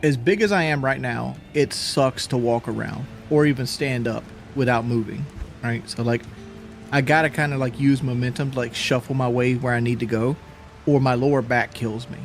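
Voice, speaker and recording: Brief: male streamer, casual rambling chat, winded, mid pitch, desk mic, faint music behind. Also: steady tone, moderate pace. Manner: rambling, repeats words, swears casually. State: out of breath after a workout. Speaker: live streamer.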